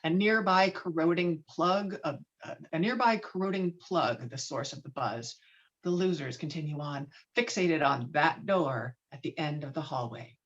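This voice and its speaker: As narrator of a table read on a video call, a woman reads the screenplay's stage directions dramatically in a low voice at normal speed. The recording has a dull, lo-fi video call quality.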